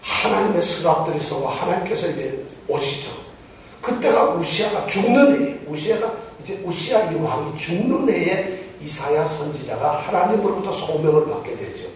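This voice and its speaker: Male preacher, slightly high voice, teaching with questions to the pews; distant mic in a very reverberant church. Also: lively intonation, moderate pace, a little hiss or hum. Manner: poses rhetorical questions to the congregation. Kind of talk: Bible teaching sermon. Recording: very echoey church hall, mic far off.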